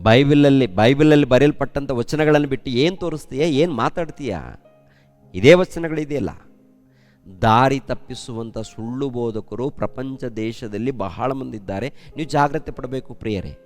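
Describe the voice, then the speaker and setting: A male pastor preaching a sermon in repeated chanted phrases, swinging between loud calls and quiet prayer. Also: medium pitch, moderate pace. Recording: long reverb with faint music.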